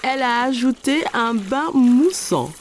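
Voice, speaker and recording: A woman reading scripted narration for a children's story, telling it clearly for young listeners. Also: on the high side, animated, a little slow, a little hiss or hum.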